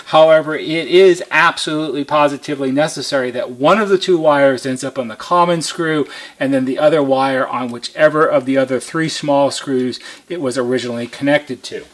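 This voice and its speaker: A man's voice: mid-range voice, brisk. A man giving a hands-on how-to demonstration as a repair technician, methodical and step-by-step, stressing key points.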